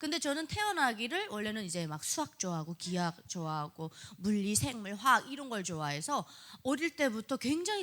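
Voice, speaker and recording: A woman at medium pitch speaks in an animated tone at a fairly quick pace, her pitch swinging very widely. The recording is very clean, with a silent background. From North Korea. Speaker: North Korean defector giving testimony. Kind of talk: church testimony talk. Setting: church service.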